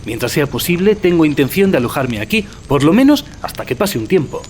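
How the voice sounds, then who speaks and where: An actor playing an anxious, earnest young student in an audio drama, speaking in urgent, solemn warnings. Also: male voice, fairly high pitch, big pitch swings, brisk, darkish tone, a little hiss or hum. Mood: grave, evasive. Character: anxious young male student, earnest, secretive clergyman's son.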